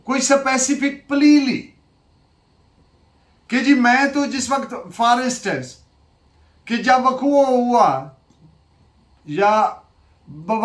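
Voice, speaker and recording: High-voiced Pakistani woman lecturing, echoey room. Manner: didactic, asks and answers own questions, switches into English terms. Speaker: law lecturer. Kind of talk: law lecture, dictating case citations.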